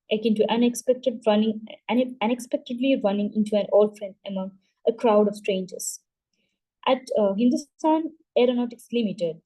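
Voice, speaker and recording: Woman reading a memoir out loud for a book club, mellow tone, steady, trips on a word here and there. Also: mid-range voice, low-quality recording. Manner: steady read-aloud pace with occasional stumbles and restarts.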